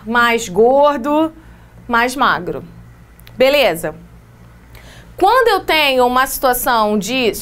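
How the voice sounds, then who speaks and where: A Brazilian woman with a high, bright voice teaches an exam-prep English class. She walks through each rule one step at a time and keeps checking that her students are following. Her voice is recorded close to the mic. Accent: Brazilian Portuguese. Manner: explains step by step, lots of checks like "beleza?" and "ó".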